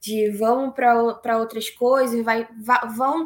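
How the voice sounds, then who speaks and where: Her pitch sits fairly high. The speaker is a woman. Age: 20s. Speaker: religious social media page administrator and university student. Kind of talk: casual chat.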